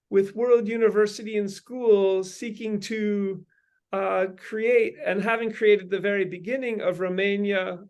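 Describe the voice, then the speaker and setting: A man hosting a meeting talks in long, winding sentences, pausing often on ums and uhs. His voice sits high and comes through smooth and resonant. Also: a little mellow. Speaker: host leading a meeting. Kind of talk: brainstorming meeting talk.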